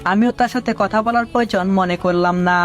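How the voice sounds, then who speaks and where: A man with a high voice reads a first-person romance aloud, steady and scripted. Soft music sits faintly in the background throughout. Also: brisk. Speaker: storyteller.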